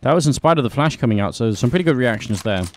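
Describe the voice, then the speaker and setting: A man commentating a live esports match, brisk play-by-play that lifts in energy during the action, on a headset mic. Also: mid-range voice, animated, a little hiss or hum.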